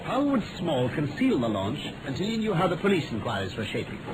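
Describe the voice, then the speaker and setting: A self-assured british detective, bossy and lively, swooping delivery, noisy old radio recording. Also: male voice, fairly high pitch, fairly quick. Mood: brisk, explaining. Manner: crisp, authoritative, theatrical. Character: brisk, commanding male detective, shrewd and self-assured. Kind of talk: 1940s-50s radio drama acting.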